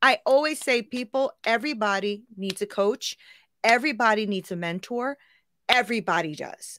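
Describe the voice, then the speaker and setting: In a dry recording with no echo, a woman sounds animated and energetic, her bright, sharp voice pitched fairly high with lively intonation. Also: moderate pace. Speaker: podcast host. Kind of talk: casual interview. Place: home room.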